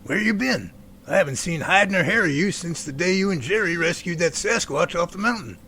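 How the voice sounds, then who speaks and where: A man's voice: high-pitched, animated, brisk, bright, forceful tone, a little hiss or hum, full character voice. A man playing a genial middle-aged professor in an amateur audio drama, with courteous, folksy phrasing. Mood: friendly. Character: genial middle-aged professor running a Bigfoot research center.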